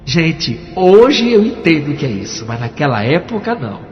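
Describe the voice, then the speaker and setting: Dramatic pastor giving testimony. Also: male voice, on the high side, very animated, moderate pace. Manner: dramatic storytelling, shifting between hushed and emphatic. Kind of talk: preached testimony. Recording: echoey, dull, music underneath.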